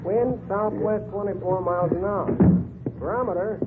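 An actor playing a formal, clipped radio announcer reading official bulletins in 1940s style. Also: male voice, high-pitched, normal speed, phone-quality sound, loud music behind the voice, lightly acted. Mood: official, urgent. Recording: thin, noisy old radio with hum.

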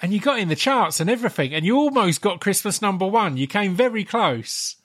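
A man's voice: high-pitched, lively intonation, fairly quick, a bit bright. A British man hosting a podcast interview in a casual, matey, informal way with some swearing. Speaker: podcast host.

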